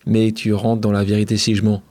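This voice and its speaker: A man's voice: lowish voice, monotone, fairly quick, dark tone, dry recording. A male podcast host asking questions, prompting his guest with short cues and finishing his sentences. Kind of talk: interviewer prompting.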